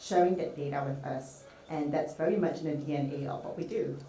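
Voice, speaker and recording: A woman with a Singaporean accent speaks at a moderate pace amid noticeable background noise and audible room echo. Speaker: tech product manager. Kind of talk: conference talk. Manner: casual.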